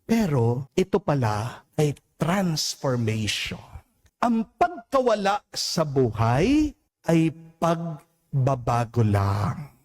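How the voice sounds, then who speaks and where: A Filipino priest giving a homily, preaching slowly and deliberately, drawing out English phrases and asking his listeners "Amen?". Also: on the high side, very animated, a little mellow. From Philippines. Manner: slow, deliberate preaching with emphatic rises and drawn-out English phrases; addresses listeners as "mga kapatid" and asks "Amen?".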